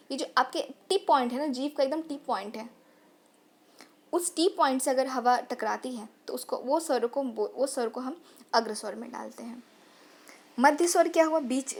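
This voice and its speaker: A woman teaching grammar in an online lesson, sounding out vowels and repeating phrases as she explains. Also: on the high side.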